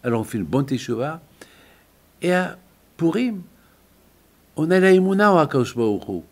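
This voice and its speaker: A man's voice: fairly high pitch, very animated, normal speed. An older man, a rabbi, delivering an impassioned sermon-like eulogy, emphatic and repeating phrases for weight.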